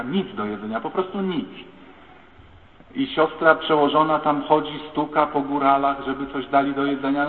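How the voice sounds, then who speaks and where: A man preaches a lively sermon, telling stories and turning to address his listeners directly. His voice sits a little high and carries a long, echoing reverb from a large church hall. The sound is thin and tinny, like it came over a phone line. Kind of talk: sermon with storytelling.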